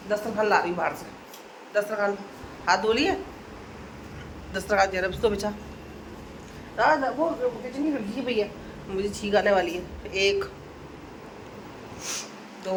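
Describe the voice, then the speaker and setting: A woman vlogger chats casually with her viewers in a daily vlog, talking to them like friends. She sounds stuffy from a heavy cold and a runny nose, her voice is medium-pitched, and there is background noise.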